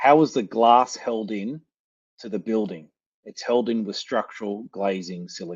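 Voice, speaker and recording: A man at medium pitch with an Australian accent, moderate pace, ordinary pitch variation and big swings in loudness. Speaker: solar company representative. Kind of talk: webinar Q&A answer. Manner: halting, many fillers and repetitions.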